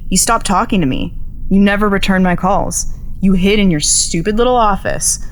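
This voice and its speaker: A woman's voice: medium pitch, moderate pace, close to an everyday voice. An actress playing a stubborn, bitter young woman journalist in a naturalistic audio drama, blunt and sarcastic as she argues. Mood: bitter, defensive.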